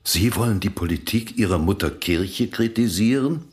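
An actor in a German radio play, playing a cool, condescending Catholic vicar general who speaks in a measured way. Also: male voice, lowish voice, animated, a little mellow, natural voice. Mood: stern.

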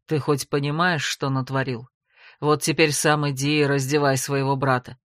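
A woman plays a haughty older brother from a fantasy storybook, his voice dropped deep and velvety. He speaks with biting, venomous sarcasm, every line a sneer. The reading sounds dry and close. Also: little pitch movement, normal speed, no room sound. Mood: scornful. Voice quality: low velvety voice.

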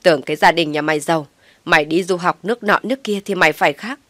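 A melodramatic elderly mother-in-law, as a woman narrator puts her on wails and scolds at full volume in a dry, close recording. She drags out every complaint with a lower-pitched, carrying voice. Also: fairly quick, fairly bright tone, no echo. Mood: scornful. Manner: wailing, theatrical complaining.

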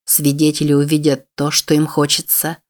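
An audiobook narrator reading a novel in steady scripted narration. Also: mid-range voice, normal speed.

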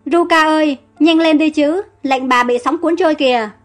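A woman's voice: high voice, normal speed, fairly bright tone, faint music behind. A woman voicing a devoted lady-in-waiting who cries out and pleads. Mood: anxious. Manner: crying out, pleading.

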